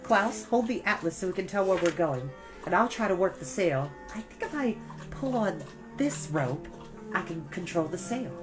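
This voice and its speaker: Woman voicing a higher-pitched, take-charge storybook girl. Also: animated, moderate pace, music in the background, natural voice. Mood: brisk, commanding. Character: clever, take-charge teenage girl steering through a storm.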